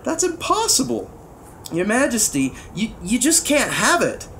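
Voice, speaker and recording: A man's voice: sits high, wildly swooping pitch, measured pace, slight background noise, voice pushed up, heavily acted. A man voicing an earnest, anxious young page boy in a storybook, deferential and pleading. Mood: earnest, worried.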